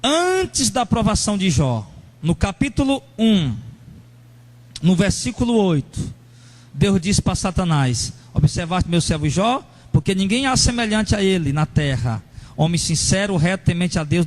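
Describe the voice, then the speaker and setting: A man preaching a sermon as pastor, animated and talking straight to members of his congregation. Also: high voice, moderate pace. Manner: animated, acts out angry church members in a raised voice; addresses congregation members directly.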